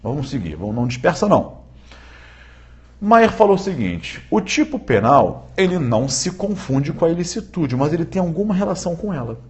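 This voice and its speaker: A man giving a live-streamed law lecture, often checking in with viewers and repeating key points slowly for emphasis. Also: a little high, sing-song, a little mellow. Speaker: law teacher.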